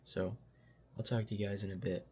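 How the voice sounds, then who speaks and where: A man's voice: lowish voice, flat delivery, brisk, darkish tone, a little hiss or hum. A young man talking casually to the camera at home in a vlog, reflective and self-motivating. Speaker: vlogger. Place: at home, indoors.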